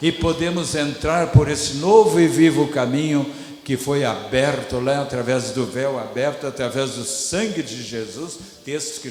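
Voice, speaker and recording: A man talks fairly slowly in a room with audible echo and noticeable background noise. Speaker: preacher. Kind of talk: sermon.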